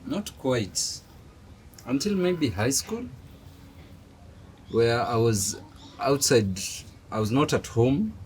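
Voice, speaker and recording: A middle-aged man from Kenya, a guest in a casual interview, speaking softly and hesitantly and laughing at himself now and then. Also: mid-range voice, lively intonation, slow pace, long pauses, poor audio. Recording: audible background noise.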